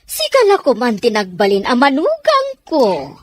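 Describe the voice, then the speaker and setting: A woman's voice: a little high, huge pitch swings, moderate pace. A woman playing a gossipy, scheming older mother-in-law in a serial drama, exclamatory and theatrical. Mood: gleeful, scheming. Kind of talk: Ilocano serial drama acting.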